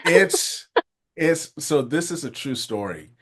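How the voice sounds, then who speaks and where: A man hosting a podcast interview, telling stories in a lively, laughing way. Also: a little high, slow, slightly rough. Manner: animated, laughing storyteller. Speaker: podcast host. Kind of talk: casual interview chat.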